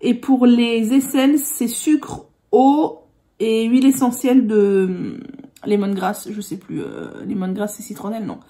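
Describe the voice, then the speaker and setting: A woman's voice: on the high side, measured pace, mellow. A woman vlogger chatting casually about products, rambling with many hesitations.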